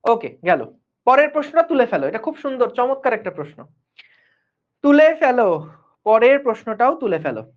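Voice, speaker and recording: A man's voice: very high voice, very animated, fairly quick, pauses often. A man, teaching physics in an online class in a chatty way that keeps checking the students follow. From Bangladesh. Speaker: physics tutor. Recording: dull lo-fi stream audio.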